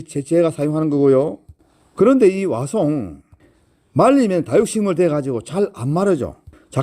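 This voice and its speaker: A middle-aged man gives a herbal medicine lesson straight to his viewers. His voice sits high and moves a lot, with a mellow tone. He keeps putting rhetorical questions to his audience. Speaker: herbal medicine channel host. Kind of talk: explanatory lecture to viewers.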